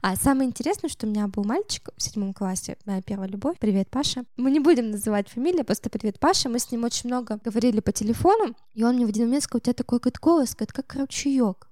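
A young woman from Russia with a French-style burred r, telling stories in a lively, laughing way as a podcast co-host. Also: on the high side, fast, few pauses, no echo, studio quality. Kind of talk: casual chat.

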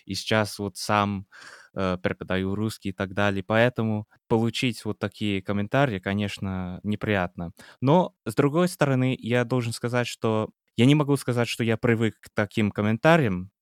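A man's voice: fairly low pitch, clean tone, no echo, clean studio sound. An Englishman who co-hosts a podcast and teaches the language, speaking with an English accent in a hesitant casual chat. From England. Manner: hesitant, many pauses and restarts. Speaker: podcast co-host, Russian teacher.

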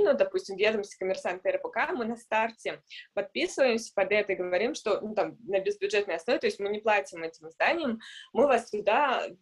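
Woman musing with many fillers. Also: medium pitch. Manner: thoughtful, many fillers and hedging pauses. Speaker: founder of a PR agency, guest. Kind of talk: casual interview answers.

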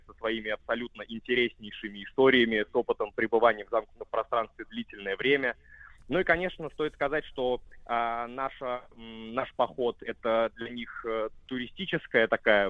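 A man's voice: mid-range voice, dry recording. A man speaking as a guest by phone, fluent and eager, with many filler sounds. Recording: phone line.

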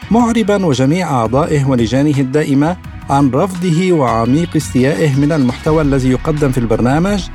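A man co-hosting a radio show, reading news items and discussing them in a measured, formal way. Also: a little high, mellow. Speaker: radio co-host.

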